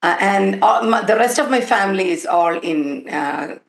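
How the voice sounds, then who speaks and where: A woman's voice: medium pitch, expressive, normal speed, gravelly, reverberant. A woman from Kerala, India, talking about where she comes from as an interview guest. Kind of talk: interview chat.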